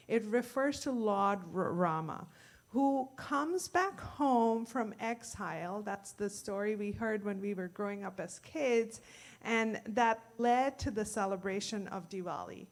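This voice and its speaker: A woman from India, introducing a hymn at a worship service in a hesitant way, not used to speaking in public. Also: medium pitch. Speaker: congregation member introducing a hymn. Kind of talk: informal talk at a worship service. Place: church sanctuary.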